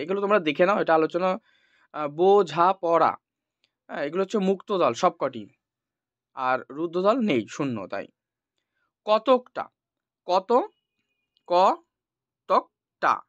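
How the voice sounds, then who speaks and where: High-voiced man teaching a lesson. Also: no echo. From West Bengal. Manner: thinking aloud with frequent "ah" fillers. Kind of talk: explanatory lesson. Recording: dull dry lo-fi recording.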